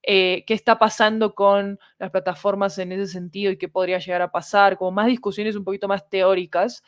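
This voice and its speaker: A woman with a Latin American Spanish accent chats casually on a podcast, explaining things and adding little tag questions to check in. Her medium-pitched voice is level in tone and a little fast.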